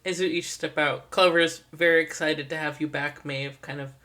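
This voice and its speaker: A dungeon master narrating a tabletop game, laughing often and filling pauses with uh and um. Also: medium pitch, steady tone, sharp tone. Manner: laughing often, many fillers.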